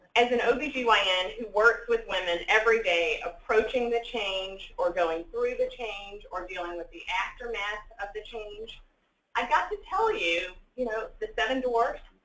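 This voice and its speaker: Moderate pace and ordinary pitch variation, with audible room echo and big swings in loudness. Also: woman, fairly high pitch for a woman. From Alabama, US South. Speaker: physician, OB-GYN. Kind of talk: public health lecture. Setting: stage with audience. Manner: animated.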